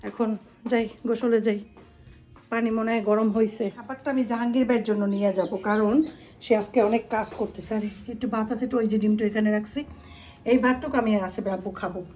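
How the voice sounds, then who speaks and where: A woman's voice: fairly high pitch, steady tone, quick pace, darkish tone, faint music behind, poor audio. A woman in her thirties with a Bangladeshi accent, chatting casually to the camera as she cooks and does chores in her home kitchen. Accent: Bangladeshi Bengali. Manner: chatty, talks to camera and family while doing chores. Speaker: home vlogger. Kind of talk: casual chatty cooking narration.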